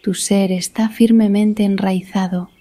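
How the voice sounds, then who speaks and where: A woman guiding a meditation in a soothing, deliberate manner with long pauses between phrases. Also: medium pitch, steady tone, mellow. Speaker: guided meditation instructor. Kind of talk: slow guided meditation narration.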